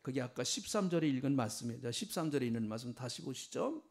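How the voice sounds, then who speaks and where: A man's voice: medium pitch, animated, fast, vocal fry, a little mellow. A middle-aged male pastor giving a sermon in a conversational way, acting out questions to God and playing with regional dialects. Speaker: senior pastor.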